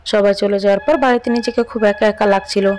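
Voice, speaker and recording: A woman's voice: mid-range voice, steady tone, fast, darkish tone, a little hiss or hum. A young woman narrating a scripted first-person audio story expressively.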